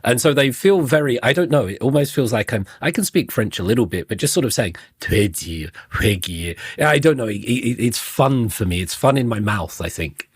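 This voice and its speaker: Man, low husky voice, dry close sound, relaxed, musing, podcast host. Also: a little fast, few pauses, no room sound. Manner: relaxed, musing, self-deprecating. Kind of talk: casual interview questions.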